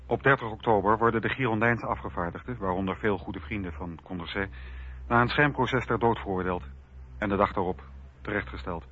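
A man's voice: on the low side, brisk, fairly bright tone, husky. A man narrating a scripted historical documentary drama for radio. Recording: dry, slightly dull radio recording.

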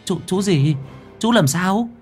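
A man voicing an anxious middle-aged village aunt who questions urgently, his voice raised high, over faint music. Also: lively intonation, takes it slowly, darkish tone. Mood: anxious questioning.

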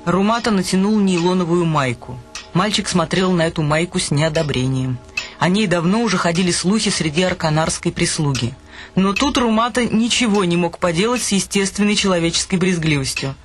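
A man narrating a literary radio play in a measured, expressive way. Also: high voice, husky. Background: music.

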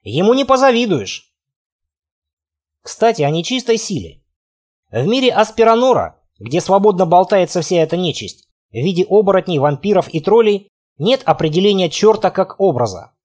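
A man's voice: high-pitched, very animated, moderate pace, a little mellow. A man narrating a first-person fantasy audiobook in a wry, conversational way.

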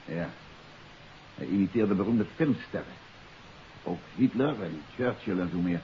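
Composed detective, hissy old radio sound. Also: male voice, low voice, expressive, a little slow. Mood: assured. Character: composed, astute male amateur detective. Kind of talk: 1950s Dutch radio detective drama acting. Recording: dull, hissy 1950s radio recording.

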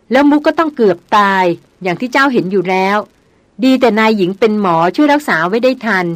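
A woman's voice: a little high, dry recording, natural voice. Seasoned older hunter voiced by a woman, firm and scolding, storybook narration.

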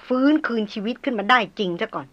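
A woman's voice: a little high, quick pace, a bit bright, muffled recording, lightly acted. A woman voicing an anxious, hot-tempered young noblewoman who presses with indignant questions. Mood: heartfelt.

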